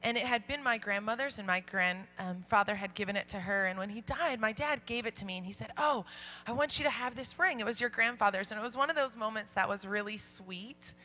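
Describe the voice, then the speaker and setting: A young woman Christian speaker with a very loud voice, telling a story to a youth audience and acting out the people in it. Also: mid-range voice, a little fast. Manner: animated, acts out quoted voices.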